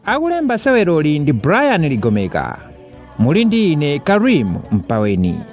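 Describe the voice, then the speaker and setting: A Malawian man presents a radio drama with very animated, sweeping intonation. His voice sits a little high for a man. Music plays softly behind his scripted narration. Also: normal speed. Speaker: programme announcer and narrator.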